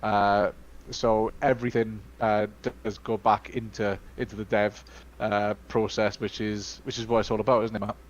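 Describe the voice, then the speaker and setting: A Welsh-speaking man co-hosting a casual live-stream Q&A, talking in a chatty, halting way full of fillers and restarts. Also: fairly low pitch, flat delivery, highs cut off. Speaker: studio co-host.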